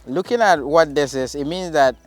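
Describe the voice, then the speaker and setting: A man from Ghana, a farmer guest, speaking outdoors in a farm paddock in a measured way with small hesitations. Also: a little high, faint music behind. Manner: thoughtful, measured, some hesitations. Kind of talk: casual outdoor interview.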